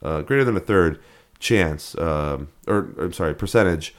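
A man's voice: low-pitched, animated, normal speed. A man co-hosting a podcast in casual chat, rambling with frequent restarts and fillers. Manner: rambling, many restarts and fillers, laughs at odd names. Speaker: podcast co-host.

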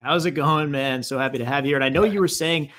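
A man's voice: on the high side, fast, fairly bright tone. Enthusiastic male show host. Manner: upbeat, enthusiastic, lots of affirmations. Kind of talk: casual interview hosting.

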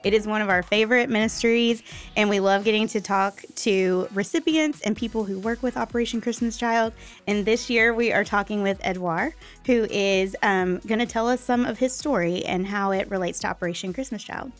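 A woman's voice: mid-range voice, normal speed, faint music behind. A woman co-hosting a podcast in casual conversation. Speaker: podcast co-host.

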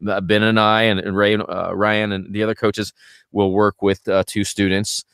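Speaking at a normal pace with a clean tone and a touch of vocal fry, a male vocal coach chats animatedly in a casual podcast. He imitates students' complaints by pitching his voice up. The recording is dry, with clean studio sound.

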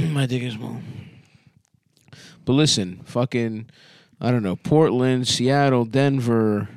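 Slow-talking man in crude comedy banter. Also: medium pitch, darkish tone, no room sound, studio quality. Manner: slow, laughing, crude joking. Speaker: podcast co-host.

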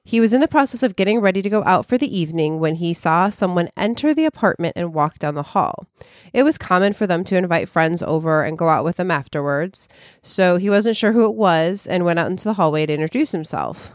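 Woman, podcast co-host, lower voice, chatty, reads listener mail, dry close sound. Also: lively intonation, fairly quick, no echo. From Chicago. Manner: chatty, frequent restarts, laughs easily. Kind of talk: casual chat, reading listener mail.

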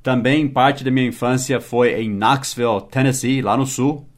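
A man's voice: mid-range voice, fairly even intonation, moderate pace. A man hosting a casual English lesson podcast, explaining patiently and spelling words out letter by letter. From United States and Brazil. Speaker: English teacher and podcast host.

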